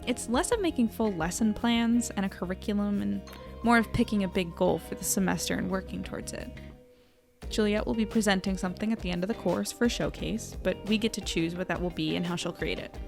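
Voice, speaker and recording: A woman's voice: mid-range voice, fairly quick, gravelly, music in the background, natural voice. A woman playing an anxious, self-doubting young newspaper editor, narrating and chatting wryly in an audio drama. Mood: wry, worried. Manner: wry, melodramatic, conversational. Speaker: narrator and lead character.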